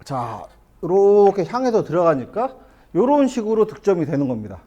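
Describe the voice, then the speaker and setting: A middle-aged man giving a hands-on billiards lesson in a billiard hall, explaining step by step and asking the viewer quick questions as he plays. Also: high voice, big pitch swings, mellow, lo-fi sound. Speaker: billiards instructor. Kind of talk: hands-on lesson, talking while playing.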